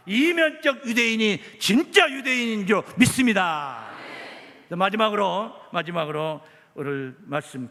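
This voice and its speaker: A man's voice: a little high, pushed and bright. A man, preaching a sermon as pastor, emphatic and full of rhetorical questions. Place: church sanctuary. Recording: echoey church hall.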